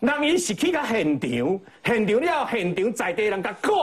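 Against noticeable background noise, a man speaks at a moderate pace in a high voice. His pitch swings very widely. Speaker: veteran journalist, political commentator. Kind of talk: political talk show panel discussion. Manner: animated.

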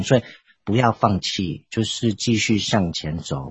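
Somewhat breathy and fairly low-pitched, a man talks with an English accent and lively intonation. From United States. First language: English (speaking Chinese). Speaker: English teacher and TV presenter. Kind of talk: interview.

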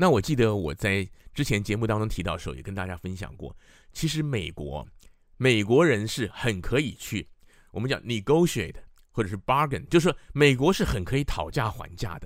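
On a very clean recording with a silent background, a man at medium pitch talks at a fairly quick pace with very wide pitch swings and vocal fry. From Taiwan. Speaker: podcast host, journalist. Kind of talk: casual commentary monologue.

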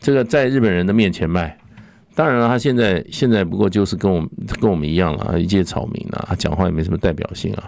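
A man talks at a very fast pace with a very deep, low pitch. His intonation is lively. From Taiwan, Taipei. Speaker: retired ambassador and international affairs expert. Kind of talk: political commentary talk show. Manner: animated, emphatic.

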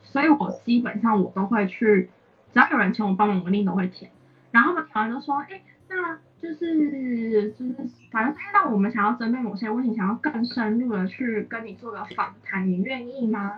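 Over noticeable background noise, a woman speaks at a moderate pace. Her fairly high voice has lively intonation. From Taiwan, Yuanlin (Changhua). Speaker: TV program editor. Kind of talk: casual chat. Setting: online recording.

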